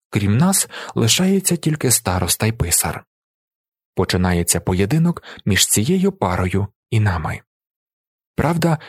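A man narrating a story in an audiobook reading, lively and storytelling, raising his voice for the characters' shouts. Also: fairly low pitch, slightly rough, no echo, clean studio sound.

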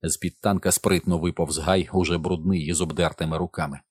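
A man reads an audiobook aloud in a steady, even manner. His voice sits very low, and the recording is close and dry with no room sound. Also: fairly quick, breathy edge, dry recording. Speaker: narrator. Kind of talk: audiobook narration.

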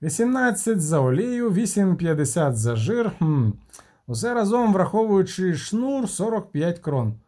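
Guy doing a shrewd little halfling trader, high and bouncy, reckoning numbers. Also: big pitch swings, a little slow, darkish tone, exaggerated voice. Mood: calculating. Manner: precise, reckoning figures. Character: cheerful shrewd halfling merchant, shapeshifter.

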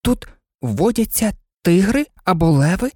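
A woman's voice: on the low side, animated, unhurried, a little mellow, husky, no echo, studio quality. A woman voicing a sensible, polite young girl in a storybook reading, earnest and thoughtful.

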